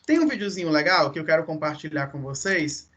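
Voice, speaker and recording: A man's voice: fairly high pitch, expressive, fairly quick, sharp tone, slight background noise. A man lecturing a university class online, explaining step by step and often checking in with his students.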